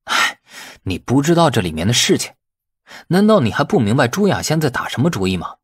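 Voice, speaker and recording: A man's voice: mid-range voice, big pitch swings, fairly quick, slightly rough. A man voicing a brash, irritable, defensive man who grumbles colloquially in an audiobook. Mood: explaining. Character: brash, irritable man in a family inheritance feud. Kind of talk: audiobook character acting.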